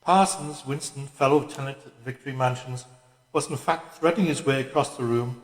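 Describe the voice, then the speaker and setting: Male audiobook reader, medium pitch, measured literary narration, deliberate phrasing, strongly reverberant room. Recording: echoey room with long reverb.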